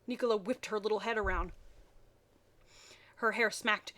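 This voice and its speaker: A woman reading amateur fiction aloud in a mocking way, dropping in wry, deadpan asides. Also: medium pitch, moderate pace. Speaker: reader and commentator.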